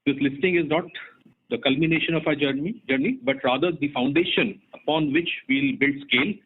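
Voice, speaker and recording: A man with an Indian accent, formally reading a company results presentation in a measured, businesslike way as an executive. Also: medium pitch, husky. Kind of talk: scripted earnings call presentation. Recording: muffled narrowband phone conference line.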